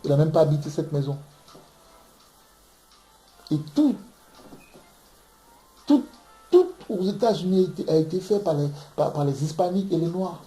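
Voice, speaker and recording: A man's voice: a little high, lively intonation, moderate pace, pauses often, warm tone, faint music behind. A man from Ivory Coast preaching on scripture in an emphatic way, often repeating words as he searches for them. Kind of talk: impassioned bible teaching. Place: room in London. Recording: echoey room.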